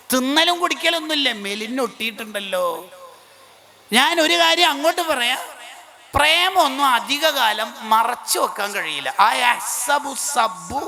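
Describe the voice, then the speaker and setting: A man preaching an Islamic sermon with a Kerala accent, swinging between soft low asides and high pleading cries. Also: gravelly. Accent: Malayali, Kerala. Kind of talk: Islamic sermon with dramatic recitation.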